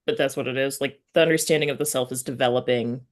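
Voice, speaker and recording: A woman with a low-pitched voice chats as an interviewer. She speaks haltingly, reworking her sentences as she goes and thinking out loud in an informal way. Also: fairly even intonation. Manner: halting, self-correcting, thinking aloud with sighs. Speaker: podcast host interviewing an author. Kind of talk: casual interview chat.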